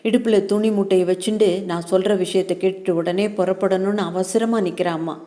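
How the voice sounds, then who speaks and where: A woman reading a story aloud in the first person, narrating in a calm, steady way. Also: mid-range voice, brisk.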